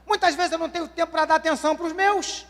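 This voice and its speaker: A man's voice: extremely high pitch, steady tone, fast talker, fairly bright tone. A man, preaching a sermon and questioning the congregation as "dear ones". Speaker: pastor. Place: church hall. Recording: long church hall reverb.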